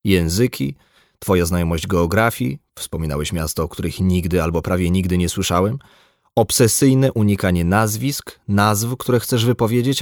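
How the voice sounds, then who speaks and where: A man voicing a blunt, embittered, drunk male doctor in an audiobook, gruff and lecturing. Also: lowish voice, darkish tone, no room sound, studio quality. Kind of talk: audiobook dialogue.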